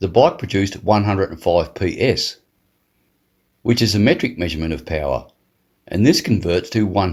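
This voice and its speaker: A man's fairly low voice with vocal fry and an Australian accent, fairly quick in pace, on a very clean recording with a silent background. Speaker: motorcycle history channel host. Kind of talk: scripted narration.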